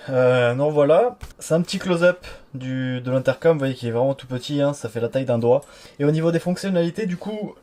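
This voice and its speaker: A man's voice: mid-range voice, a little mellow. A man giving a casual product review in an informal, slangy way, with frequent hesitations.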